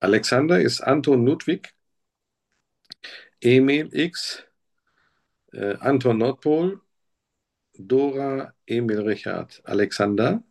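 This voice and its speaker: A man's voice: medium pitch, lively intonation, slow pace, creaky, long pauses, darkish tone. A man playing a patient in a practice doctor interview, talking in a hesitant way and searching for his words. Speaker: simulated patient. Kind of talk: role-played doctor-patient practice talk.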